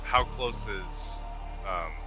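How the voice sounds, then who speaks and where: Low, very sharp, bright man. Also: slow, soft background music, rough recording. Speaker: tabletop game player. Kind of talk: casual chat in game play.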